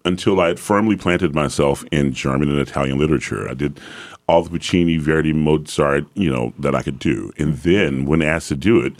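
A man from the American South, an opera singer with a very deep voice, talking as a guest in a relaxed roundtable conversation. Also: a little fast. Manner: relaxed storytelling, laughs easily.

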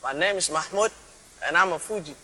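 A young man from Kenya telling his own story as a former student, in a plain, steady way. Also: fairly high pitch, a little fast, big-room sound, a little hiss or hum, poor audio. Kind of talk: recorded personal testimony.

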